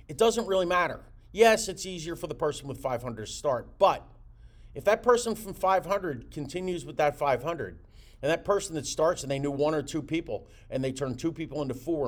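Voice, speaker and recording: A man hosting a real estate coaching show, talking with energy, repeating words and using many fillers. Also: fairly high pitch. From United States. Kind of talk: motivational teaching talk.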